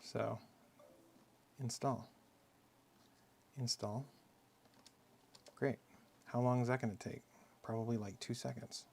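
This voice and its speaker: A man's voice: mid-range voice, steady tone, slow, vocal fry, long pauses, darkish tone, husky. A man casually chatting to his live-stream chat while distracted by setting things up. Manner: mumbly, distracted, talks to chat while fiddling with setup.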